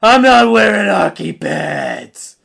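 A man's voice: high voice, big pitch swings, slow, vocal fry, fairly bright tone, breathy edge, pitched above the performer's own voice, heavily acted. Man putting on a stern Batman voice. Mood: mock-stern. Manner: mock-stern, growled threats. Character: self-serious male caped vigilante.

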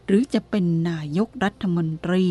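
A woman voicing a calm, blunt elderly abbot who speaks plainly and firmly. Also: faint music behind, natural voice. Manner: plain-spoken, firm, unhurried.

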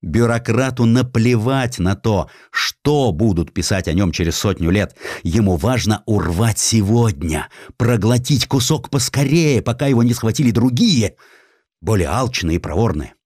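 A man reads historical satire as a dramatized audiobook. His voice is on the low side, with highly animated intonation and an ironic, theatrical delivery. The recording is dry. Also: moderate pace, no room sound. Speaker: audiobook narrator.

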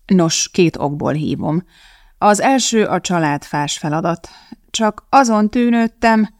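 An anxious, pleading male producer, voiced by an audiobook reader, fretting over every word. The voice has a gravelly grain. It is recorded close and dry. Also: medium pitch, animated, no echo, natural voice. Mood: worried. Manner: worried and pleading. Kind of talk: audiobook character voice.

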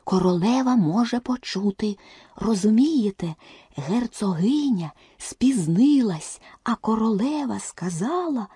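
A woman voicing a timid, fussy male white rabbit courtier who talks in a hushed, nervous half-whisper. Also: medium pitch, lively intonation, measured pace, husky, no echo, studio quality, pitched above the performer's own voice.

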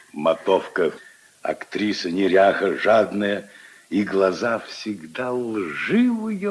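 An actor playing an old retired general, a gruff but kindly grandfather figure who reminisces and grumbles wryly, in a 1950s radio play. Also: deep voice, heavily acted. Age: older. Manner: wry, reminiscing, grumbling storyteller.

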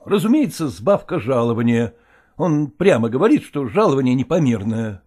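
A man's voice: mid-range voice, sing-song, normal speed, a little mellow. A man voicing an agitated, hot-tempered male actor who speaks in a heated, insistent way. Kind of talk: audiobook character voice.

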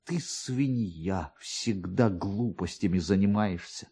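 A man voicing a proud, touchy, self-pitying official in a theatrical, drawn-out way, as in a dramatic literary reading. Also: low-pitched, dark tone, husky, exaggerated voice. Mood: indignant, dignified. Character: proud touchy male collegiate assessor, self-pitying and distraught.

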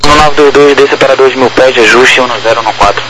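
A man's voice: mid-range voice, fairly even intonation, fast. A man with a Brazilian accent, working as an air traffic controller and giving terse, clipped instructions over a two-way radio. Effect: heard over a two-way radio. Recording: noisy radio transmission.

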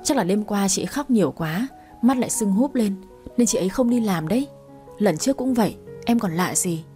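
A woman's voice: medium pitch, expressive, a little fast, dark tone, soft background music, natural voice. A woman voicing a young, outspoken female coworker who loves to gossip. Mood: gossipy. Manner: gossipy, blunt, chatty.

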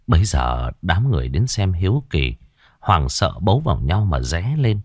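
Brief: deep, expressive male horror storyteller, suspenseful and measured. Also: husky, no echo, clean studio sound. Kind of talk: ghost story narration.

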